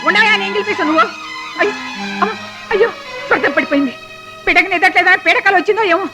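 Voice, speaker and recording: An actress playing a fiery, sharp-tongued old grandmother who scolds and mocks in rapid bursts. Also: very high-pitched, faint music behind. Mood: anxious. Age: older. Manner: scolding, mocking, rapid-fire insults. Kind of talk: film comedy acting.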